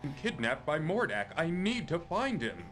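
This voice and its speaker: An earnest adventuring king in a video game. His voice sits a little high and moves expressively as he pleads, with faint music underneath. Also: big pitch swings, moderate pace, a bit bright. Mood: pleading.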